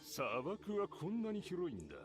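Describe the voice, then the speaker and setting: Brusque desert raider, kinda high and quick, loud game music. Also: male voice, huge pitch swings. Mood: defiant. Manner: defiant, brusque. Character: stubborn male desert raider claiming land. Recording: game audio from far off, music behind.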